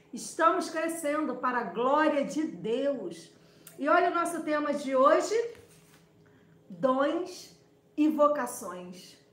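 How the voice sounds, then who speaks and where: Speaking in a raised, projected voice, a woman with a high pitch and a bright, sharp tone uses lively intonation at a very slow pace with long, frequent pauses, and room echo is audible. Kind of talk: devotional talk.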